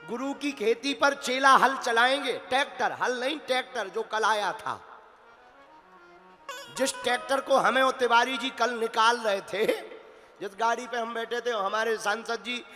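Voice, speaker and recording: A man with a very high, bright, ringing voice delivers a devotional sermon at a slow, deliberate pace. He chants verses between his talk and breaks into loud, emphatic bursts. The voice carries a long hall reverb over faint instrumental music. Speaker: preacher.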